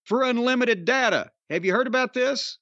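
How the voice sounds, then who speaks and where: A man's voice: extremely high pitch, normal speed, a bit bright, dry recording. An older man with a Southern American accent hosting a podcast, rambling, profane and sarcastic in casual chat and a comic ad read. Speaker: podcast host. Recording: dry, slightly dull audio.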